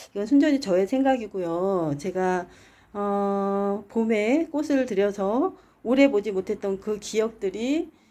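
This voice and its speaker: This woman talks at a very slow pace, her medium-pitched voice dark and mellow in tone. Her intonation is lively, and the background is quiet. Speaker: gardening channel host. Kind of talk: gardening tutorial. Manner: casual, chatty.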